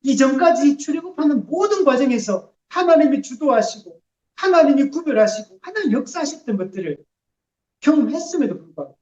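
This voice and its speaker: A woman's voice: sits high, big pitch swings, fairly quick, dark tone. A woman preacher giving a sermon in a church, in a casual, confessional way with many filler words. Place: church sanctuary. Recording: roomy church hall, distant mic, dull sound.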